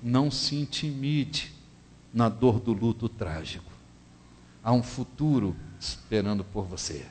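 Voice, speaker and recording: A man with a Brazilian accent, a bishop preaching a sermon, who swings from hushed, confiding tones to loud exhortation. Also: mid-range voice, a little slow, slight background noise. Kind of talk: sermon with a personal story. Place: church.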